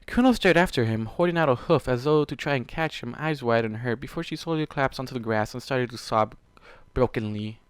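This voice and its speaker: A man's voice: mid-range voice, brisk, few pauses, clear, resonant tone, no room sound. A man reading a story aloud dramatically as a channel host, emotionally invested and dropping casual, profane reactions. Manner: emotionally invested, exasperated asides. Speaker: fan fiction reader and channel host.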